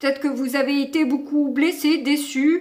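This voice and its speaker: Speaking very slowly, a woman uses a high voice with fairly even intonation. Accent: strong French. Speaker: tarot reader. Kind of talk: tarot reading for viewers. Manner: hesitant, many filler sounds.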